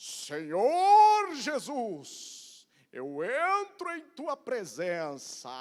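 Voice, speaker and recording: This is a put-on character voice at a fairly high pitch. It moves at a very slow pace. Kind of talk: prayer. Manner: solemn, pious.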